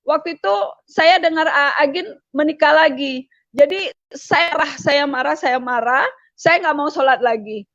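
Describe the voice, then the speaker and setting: A middle-aged woman giving an emotional personal testimony, repeating herself and pausing with hesitations. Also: sits high, a bit bright, no echo, dull audio. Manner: emotional, repetitive storytelling with frequent hesitations. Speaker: testimony speaker.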